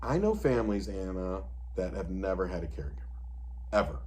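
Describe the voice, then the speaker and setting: A man in his fifties, a disability advocate, explaining plans and supports in a relaxed interview, with frequent "you know" asides. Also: low-pitched, fairly quick, slight background noise. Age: 50s. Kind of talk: conversational interview advice.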